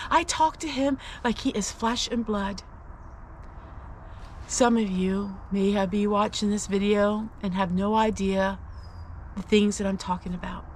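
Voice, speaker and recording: A woman's voice: mid-range voice, a little hiss or hum. A woman sharing a personal Christian testimony, speaking in an earnest, confiding and emphatic way as she encourages listeners. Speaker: host of a faith-based personal vlog.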